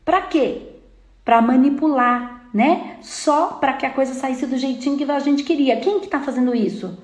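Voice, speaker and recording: Brazilian woman, emphatic spiritual speaker, slightly high voice, roomy echo. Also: moderate pace, darkish tone. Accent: Brazilian Portuguese. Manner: emphatic, frequent "né?" and "tá?" checks, mimics complainers. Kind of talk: spiritual self-help talk.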